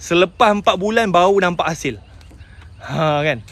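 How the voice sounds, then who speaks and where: This high-voiced man speaks with a Malaysian Malay accent, his intonation lively, his pace moderate and his tone a bit bright, over a faint hiss or hum. A sales agent, he tells his own story of struggle in an emotional motivational talk, often calling his listeners tuan-tuan and mixing in English words.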